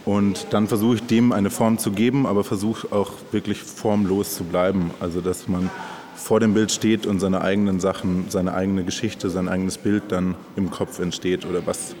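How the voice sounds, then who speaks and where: Very deep-voiced reflective man. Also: little pitch movement, moderate pace, mellow. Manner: reflective, explanatory. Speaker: artist. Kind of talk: describing own artwork.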